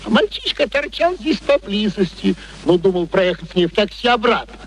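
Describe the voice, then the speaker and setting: A man's voice: high-pitched, sing-song, normal speed. An actor in a radio play playing a sly, wheedling working-class father, theatrical and ingratiating in his manner. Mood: ingratiating storytelling. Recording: old radio recording with background noise.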